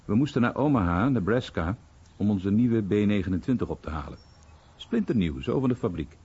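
An actor playing a weary, troubled American veteran, husky and plain-spoken, in a radio documentary drama. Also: male voice, on the low side, animated, brisk, dark tone, muffled recording. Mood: reflective. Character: weary, troubled American veteran recalling his bomber crew days.

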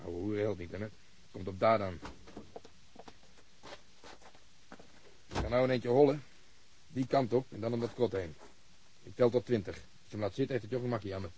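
An actor playing a mocking, reckless police detective in a radio drama. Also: male voice, fairly low pitch, fast talker, a little mellow, close to an everyday voice. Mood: taunting. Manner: mocking, taunting, chuckling. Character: sardonic, reckless, swaggering male police detective. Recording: dull radio drama recording, noisy background.

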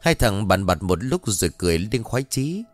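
A man tells a ghost story in a low, animated voice that swings widely in pitch. The recording is dry and close, with soft music underneath. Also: fairly quick, dry recording. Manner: expressive, lively storytelling. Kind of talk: scripted storytelling. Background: faint background music.

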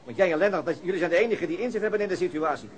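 Rapid-talking, practical police detective. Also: male voice, sits high, expressive, slight background noise. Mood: practical, firm. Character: concerned, practical, level-headed male police detective in charge. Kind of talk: radio drama acting.

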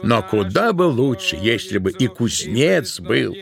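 A man narrating a literary tale for an audio play, expressively, with drawn-out emphatic words. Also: medium pitch, big pitch swings, vocal fry, faint music behind.

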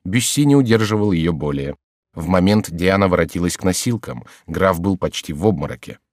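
Male audiobook narrator, deep and dry, measured dramatic delivery. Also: lively intonation, darkish tone, no room sound. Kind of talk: scripted literary narration.

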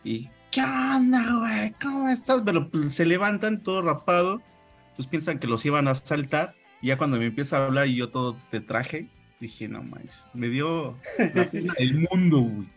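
A man's voice: on the high side, normal speed, soft background music. Rambling Mexico City man. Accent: Mexico City Spanish. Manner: rambling, hesitant with fillers. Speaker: radio show co-host. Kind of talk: casual storytelling among friends.

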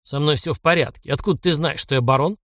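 A man's voice: on the high side, quick pace, a bit bright, no echo, lightly acted. Captured baron, played by a man, middle-aged, wary, grudging, reluctant, dry close voice.

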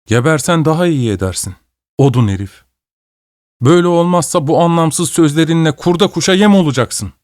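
A sullen, rough-tongued man spits blunt insults and raises his voice, as a male reader plays him. The sound is close and dry. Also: a little high, animated, fairly quick, darkish tone, no echo, voice pushed up, natural voice. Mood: scornful.

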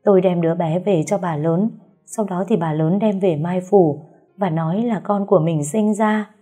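A woman's voice: lowish voice, moderate pace, mellow, husky, faint music behind. A woman voicing a frightened female household servant who stammers as she confesses. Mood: fearful. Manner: trembling, stammering.

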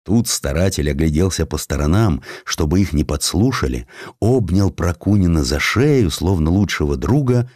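A man narrating historical tales as a literary audiobook, with an expressive, dramatic storytelling delivery. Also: low voice, moderate pace, dry recording, studio quality.

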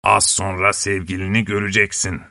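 A wise old frog from a fairy tale speaks low and unhurried, voiced by a man narrating, hushed and grave in tone. The sound is dry and close, with no room around it. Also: monotone, vocal fry, no echo, exaggerated voice.

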